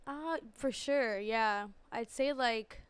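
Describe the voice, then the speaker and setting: A woman's voice: fairly high pitch, slow, smooth, no echo. A young woman from Canada, an R&B singer, chatting casually as a podcast guest with many fillers and easy laughs. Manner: relaxed, laughs often, lots of likes and fillers. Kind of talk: casual interview chat. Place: podcast studio.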